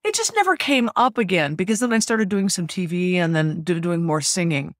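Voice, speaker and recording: A woman in her sixties from California, a stage actress and singer, chatting as a podcast guest and telling lively stories full of restarts and asides. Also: fairly low pitch, dry recording, clean studio sound. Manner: animated storyteller, quick restarts and asides. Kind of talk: casual interview chat.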